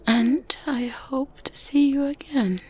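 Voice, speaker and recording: Slow, whispering kindly witch played by a woman. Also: high-pitched, voice pushed up, poor audio. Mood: fond. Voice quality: breathy, whispered. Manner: gentle, unhurried, coaxing, little hums. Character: kindly good witch, gently teasing, motherly and reassuring. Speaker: ASMR roleplay performer. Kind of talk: softly spoken whispered ASMR roleplay. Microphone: close binaural microphone. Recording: close binaural mic with faint ambience noise. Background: medieval ambience sounds.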